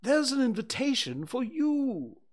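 A man's voice: very high voice, very animated, a little slow, pitched above the performer's own voice, full character voice. A man voicing a fussy, self-important male owl in a storybook reading, insistent and emphatic.

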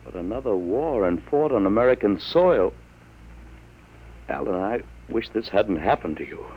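Astonished middle-aged dad, lowish pitch, swinging intonation, halting and cautious, 1950s radio play. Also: male voice, big pitch swings, slightly rough, highs cut off. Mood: shaken, questioning. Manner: hesitant, halting, questioning. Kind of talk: 1950s radio drama acting.

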